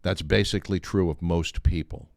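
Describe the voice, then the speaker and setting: A man's voice: low voice, fairly even intonation, normal speed, creaky, no room sound, studio quality. An American man in his fifties chatting casually as a radio host, telling stories in a wry way. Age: 50s. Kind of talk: casual chat and storytelling.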